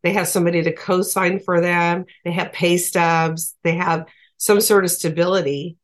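A woman with a lowish voice answering interview questions as an advocate for farm workers. She talks in an earnest, emphatic, plain-spoken way, pressing her points home. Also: fairly even intonation, moderate pace. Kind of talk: interview guest.

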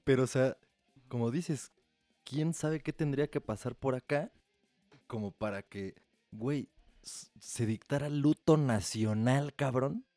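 A man's voice: medium pitch, unhurried, warm tone, dry recording, faint music behind. A man, joking crudely and vulgarly in casual podcast chat.

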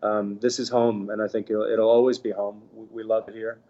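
A man in his fifties from the Bahamas, telling his story in a relaxed, chatty interview with lots of fillers. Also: lowish voice, fairly quick, highs cut off. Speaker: guest, former tennis pro. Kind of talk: casual interview talk.

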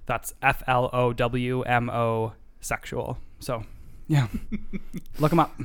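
A man's voice: mid-range voice, steady tone, slow, a bit bright, smooth. A man co-hosting a casual podcast, talking in a rambling, filler-heavy, joking way. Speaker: podcast co-host.

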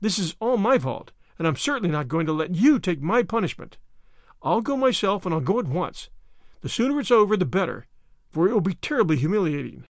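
A man's voice: sits high, very animated, brisk, no echo, studio quality. A man voicing a young imaginative girl, impulsive and dramatic, speaking in a breathless, distressed way. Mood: determined.

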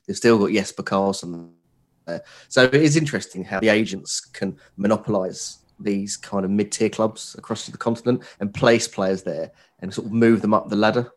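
A young man co-hosting a casual podcast, nasal from a cold, relaxed and wry, often trailing off quietly. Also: on the low side, normal speed. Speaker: podcast co-host. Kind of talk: casual chat.

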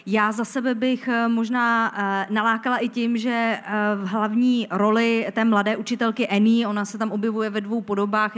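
A woman co-hosting a live film podcast on stage, speaking hesitantly and with many fillers. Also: fairly high pitch. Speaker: podcast co-host, film critic.

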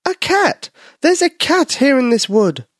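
A man voicing a small, frightened young mouse who talks high and excitedly in a storybook reading. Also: unhurried, no echo, studio quality, full character voice. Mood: scared.

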